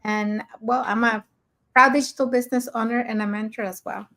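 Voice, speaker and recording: A woman's voice: fairly high pitch, fairly even intonation, bright, forceful tone. Cheerful woman co-host from Mexico. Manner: cheerful, brisk, rattles off names. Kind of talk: online talk show.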